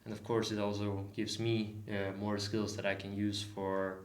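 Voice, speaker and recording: Appearing as a volunteer guest on a podcast, a twenty-year-old man from Denmark talks at normal speed in a fairly low, flat voice. His casual chat rambles with plenty of "uh," "like," and restarts, recorded in an echoey room.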